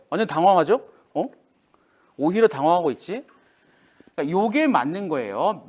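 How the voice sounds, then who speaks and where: A man teaching a classroom lesson, speaking informally to students and acting out quoted lines. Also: sits high. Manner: lively, acts out quoted lines. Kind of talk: classroom lecture.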